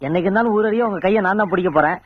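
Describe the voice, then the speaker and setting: An actor playing a brash young man who woos a woman with fast, pleading, comic boasting, on a dull old film soundtrack. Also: sits high, close to an everyday voice. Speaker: suitor. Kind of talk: Tamil film dialogue.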